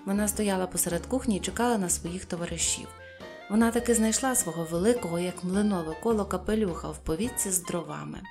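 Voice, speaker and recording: A woman narrating a children's audiobook in a gentle, even storytelling manner. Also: fairly low pitch, fast talker, over music. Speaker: audiobook reader.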